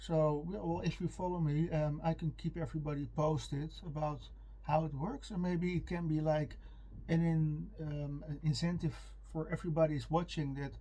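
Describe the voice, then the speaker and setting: Speaking in a Dutch accent, a man with a fairly high pitch and a dark, mellow tone keeps a moderate pace and monotone, flat intonation. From Netherlands. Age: 40s. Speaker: vlogger and cook. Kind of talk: casual vlog talk to camera. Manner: hesitant, many fillers.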